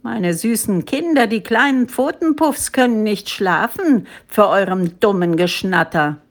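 Woman as a slow, hissing, menacing tigress. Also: mid-range voice, lively intonation. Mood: angry, haughty. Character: menacing, irritated tigress mother, elegant and haughty.

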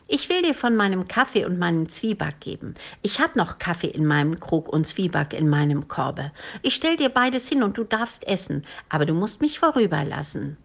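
A woman's voice: big pitch swings, moderate pace, vocal fry, hardly any pauses, full character voice. A woman doing a bold, chatty little girl. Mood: eager. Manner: high, eager, scolding. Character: brave, chatty little girl, cheeky and kind.

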